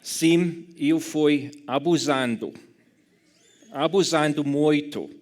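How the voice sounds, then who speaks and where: A Scottish man gives an academic lecture in Portuguese, a second language for him, with a Scottish English accent and a fairly high pitch. He is careful and halting, corrects himself as he goes, and shows dry humor.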